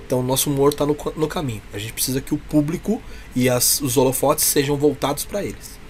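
A man's voice: medium pitch, fast, a little mellow. A Brazilian man talks as a guest in an earnest interview, with a mid-range voice. He is emphatic and heartfelt in how he puts things. The webcam call carries some light noise. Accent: Brazilian Portuguese. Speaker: interview guest, clown performer from a humour troupe. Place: small room with a curtain backdrop. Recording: noisy webcam call audio.

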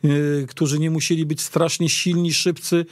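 A man's voice: on the high side, level tone, normal speed, no echo. A man as a panel guest in a casual sports discussion, hesitant and repeating words as he goes. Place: radio studio.

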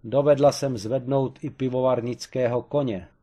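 A man voicing a proud, domineering former strongwoman wrestler who talks loudly and haughtily. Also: steady tone, natural voice. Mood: haughty. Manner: booming, haughty, matter-of-fact about cruelty.

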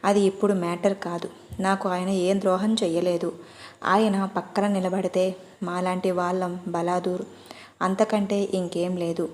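In an audio storybook, a wary young man talks in a curt, flat, gruff way, as a woman narrator puts him on. He fires off blunt questions. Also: on the low side, moderate pace, lightly acted. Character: stern young man, a wary rich host.

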